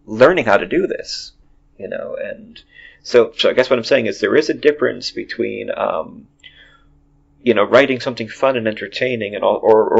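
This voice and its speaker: A man's voice: on the low side, creaky, breathy edge. A man in his forties hosting a podcast, talking in a rambling way with many restarts. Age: 40s. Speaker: podcast host. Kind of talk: casual chat. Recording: dull lo-fi audio.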